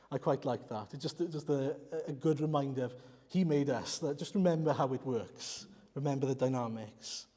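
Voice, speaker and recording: A man's voice: medium pitch, moderate pace, dark tone. A man from Wales, a Welsh speaker, preaching a sermon in an earnest, explanatory way and putting rhetorical questions to the congregation. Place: church. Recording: reverberant church hall.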